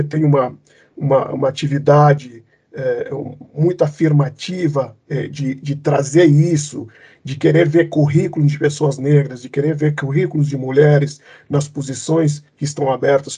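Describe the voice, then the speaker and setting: A man's voice: fairly high pitch, mellow, breathy edge. A man from Cape Verde, a company leader, answering interview questions thoughtfully, with many fillers and restarts. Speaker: company executive, guest.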